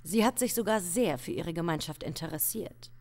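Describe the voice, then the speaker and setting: A woman's voice: on the low side, moderate pace, a little mellow, natural voice. An actress playing a probing female police investigator in a crime radio drama, knowing and insinuating.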